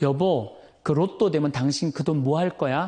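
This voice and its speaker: A man's nasal, fairly high put-on character voice at a moderate pace, with very even loudness. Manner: coaxing, whiny.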